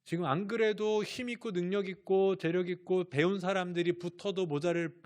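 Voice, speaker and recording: A man voicing a contemptuous crowd scolding a beggar to keep quiet. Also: sits high, fairly even intonation, moderate pace, pitched above the performer's own voice, lightly acted. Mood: scornful scolding. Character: scornful crowd of men hushing a beggar.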